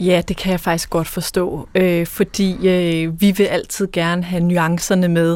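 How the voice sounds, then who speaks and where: Speaking with a non-native accent, a woman with a fairly low pitch talks at a very slow pace in a monotone, flat intonation, with hardly any pauses. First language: not Danish (speaking Danish). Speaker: politician. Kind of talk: interview. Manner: halting, many fillers.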